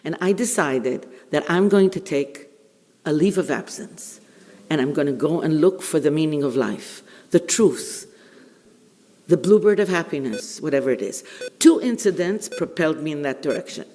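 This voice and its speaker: Speaking in a reverberant hall, this older storyteller from Israel is a public speaker and veteran journalist who was born in Bulgaria and grew up speaking Ladino. Her low-pitched voice is expressive and mellow as she shares funny personal stories with an audience. Her manner is theatrical and wry, with deliberate pauses.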